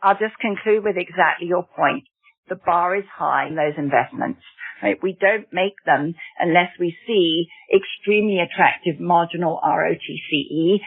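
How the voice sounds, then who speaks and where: A woman's voice: lowish voice, gravelly, breathy edge. A woman executive answering analysts' questions on an earnings call, upbeat and assured, with frequent ums. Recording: tinny phone line.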